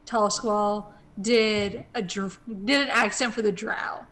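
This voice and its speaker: A woman's voice: mid-range voice, fairly even intonation, takes it slowly, a bit bright. A woman player in a casual cast chat who gets giggly and teasing.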